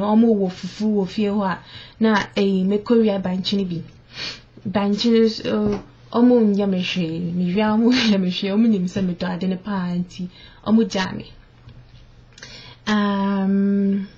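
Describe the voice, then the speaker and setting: Young woman vlogging at home, slow and a bit husky, dull webcam sound. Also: medium pitch, dark tone. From born in London, part raised in Ghana. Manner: slow, thoughtful, reads questions aloud. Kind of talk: casual talk to webcam, mixing English and Fante. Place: living room at home, indoors. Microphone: built-in webcam mic.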